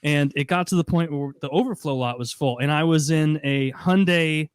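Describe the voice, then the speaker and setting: A young man with a fairly high voice tells a story on a podcast, casual and lively, swearing freely and acting out the people he quotes. The sound is dry and close, with no room in it. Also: normal speed, clear, resonant tone, no echo. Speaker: podcast co-host.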